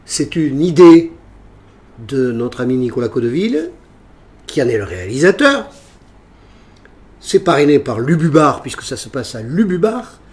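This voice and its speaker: A man's voice: mid-range voice, big pitch swings, normal speed, long pauses, a little mellow. An older man hosting a wine interview in a jovial, teasing way, steering the guest back on track. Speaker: host. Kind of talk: radio-style interview hosting.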